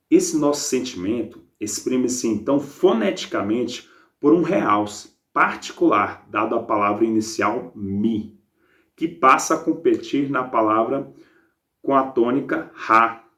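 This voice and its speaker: A man giving a book review lesson, calmly explaining and reading passages aloud, often pausing with a filler sound. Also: medium pitch. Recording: roomy echo.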